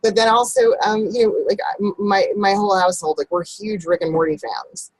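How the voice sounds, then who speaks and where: A woman voiceover coach chatting casually in an interview, animated, with big upward jumps in pitch when she stresses a point. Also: a little fast, no echo, low-quality recording.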